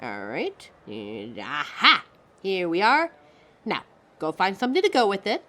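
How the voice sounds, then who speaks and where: A woman's voice: lowish voice, big pitch swings, measured pace, bright, forceful tone, exaggerated voice. A woman playing a vain, easily offended talking fashion mannequin in a scripted audio roleplay, theatrical, condescending and fussy. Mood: bossy, fussy. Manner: theatrical, condescending, fussy, calls listeners darling.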